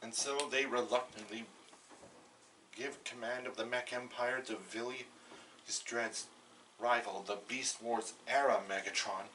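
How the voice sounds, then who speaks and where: A bright, forceful male voice put on by a man for a matter-of-fact planner in a fan cartoon. He explains haltingly, doubling back on words, a little away from the mic with faint noise. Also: mid-range voice, fairly even intonation. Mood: explaining. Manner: hesitant, explanatory, repeats words. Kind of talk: amateur fan-made cartoon voice acting. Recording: slightly distant mic, faint background noise.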